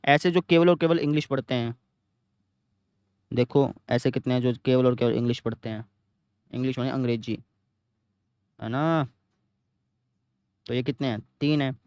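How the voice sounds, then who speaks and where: A man's voice: medium pitch, moderate pace, pauses often, a little mellow, clear, resonant tone, no room sound, highs cut off. A young man teaching a math lesson, repeating each step and answering his own questions, with a north Indian Hindi accent. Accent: Hindi-speaking north India. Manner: repetitive, explains step by step, asks questions and answers himself.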